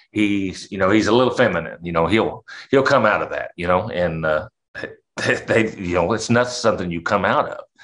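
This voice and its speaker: A man with an American accent speaks at a fairly low pitch and a fairly quick pace, with ordinary pitch variation. It is an unremarkable speaking voice, set against a quiet background. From southern Illinois. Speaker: songwriter and singer. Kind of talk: casual interview chat.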